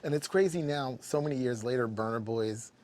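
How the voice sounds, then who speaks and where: A man's voice: medium pitch, fairly quick, a little mellow. Man moderating a songwriter roundtable. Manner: curious, friendly questioning. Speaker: interviewer.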